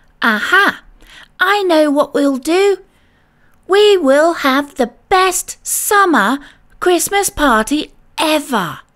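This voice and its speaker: A squeaky, put-on character voice from a woman, high-pitched, at a very slow pace with long, frequent pauses. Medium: read story.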